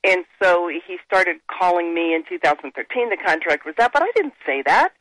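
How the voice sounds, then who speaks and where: A woman guest on a radio show who explains business ideas earnestly, pausing and restarting her sentences. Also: lowish voice, animated, a bit bright, dry recording, poor audio. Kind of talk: casual radio interview.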